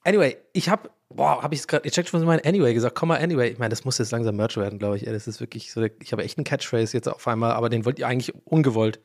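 A man's voice: medium pitch, racing, few pauses, a little mellow. A man born in Ireland whose first language is English, hosting a casual solo podcast and rambling, losing his thread and laughing at himself. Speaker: podcast host.

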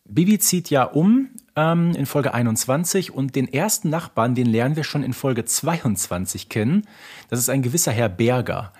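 Male podcast co-host, husky medium-pitched voice, conversational yet meticulous in explaining. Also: lively intonation, moderate pace, a little mellow. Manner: detailed, precise explaining. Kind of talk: casual fan podcast chat.

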